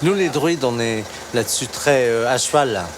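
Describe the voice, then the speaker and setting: A man pulling hidden-camera pranks on strangers outdoors, playing a naive stranger with a deadpan delivery. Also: mid-range voice, normal speed. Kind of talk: street prank banter. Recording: outdoor street noise behind.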